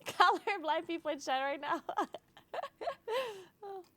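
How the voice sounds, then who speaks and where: A woman's voice: extremely high pitch, slow pace, fairly bright tone. A woman streamer from Italy whose first language is German, chatting casually with viewers, playful and teasing with frequent laughs.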